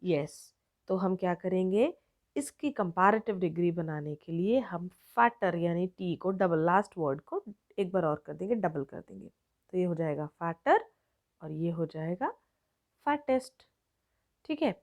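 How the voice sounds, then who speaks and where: An Indian-accented woman teaches a grammar lesson at an unhurried pace. She stretches out example words and explains each step patiently. Her voice is dark and mellow. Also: lowish voice, lively intonation. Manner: slow, drawn-out word-by-word explanation, mixing Hindi and English.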